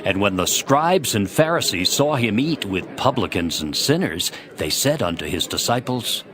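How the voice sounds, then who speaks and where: A man's voice: on the low side, sing-song, normal speed, crowd noise. A man narrating a dramatized scripture reading from a script. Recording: music behind the voice.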